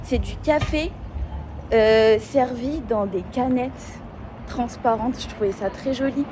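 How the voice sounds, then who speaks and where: A young woman with a slightly high voice talks casually into her phone while walking outdoors. She rambles and thinks aloud in a loose, chatty way. Traffic and street noise run clearly under her voice. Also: slow pace, mellow. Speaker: vlogger. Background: urban street ambience with vehicles.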